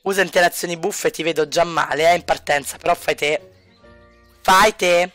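Wry, bright-voiced male game commentator. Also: a little high, fairly even intonation, normal speed, faint music behind. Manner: wry, joking asides to the audience. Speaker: let's play commentator. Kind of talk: casual game commentary to viewers.

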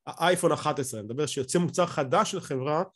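A middle-aged man with an Israeli accent explains things in an off-the-cuff lecture on a video call, often restarting his phrases. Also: on the high side. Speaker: academic lecturer. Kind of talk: explanatory lecture over slides, speaking off the cuff.

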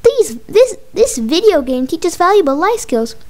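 A very high-pitched young frog boy acted out by a woman from a comic storybook. He is excitable and whiny, talking in indignant slang like a game-obsessed slacker. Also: a little slow, heavily acted.

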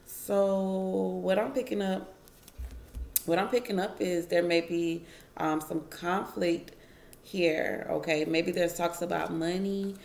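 Chatty tarot-reading woman, gravelly voice. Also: lowish voice, reverberant. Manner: chatty, addresses viewers as y'all, muses over cards aloud. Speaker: tarot reader. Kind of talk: casual tarot reading to camera. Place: home, at a wooden table.

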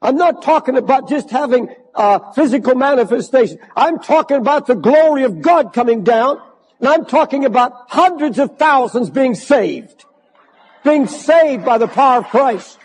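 An older male pastor preaching in a large church, his voice sitting notably high for a man. He builds into fervent, emphatic repetition. The sound carries a long reverb from the hall. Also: expressive, normal speed, darkish tone, husky. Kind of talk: sermon.

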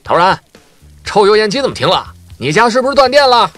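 A man voicing a harried male police captain who calls out loudly in an audiobook. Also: sits high, big pitch swings, fairly quick, no room sound, soft background music, pitched above the performer's own voice. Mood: harried, shouting. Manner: loud, calling out.

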